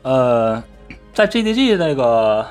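Male podcast storyteller, pitch swings wide, lively and mimicking, casual chat. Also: slow, faint music behind. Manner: animated storyteller, mimics voices. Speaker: podcast co-host telling a travel story.

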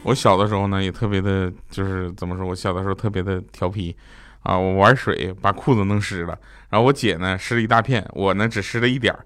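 A man's voice: deep voice, steady tone, fast, smooth. Man telling comic stories. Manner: tells jokes and acts out shouting relatives. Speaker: comedy podcast host. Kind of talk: comic storytelling.

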